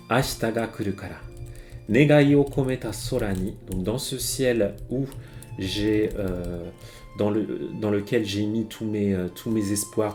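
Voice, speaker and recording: Brief: lowish male voice, a language teacher on a stream who hesitates a lot, soft music underneath. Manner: hesitant, many fillers and restarts. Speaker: Japanese teacher. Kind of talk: live-stream song lyric lesson. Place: home streaming setup.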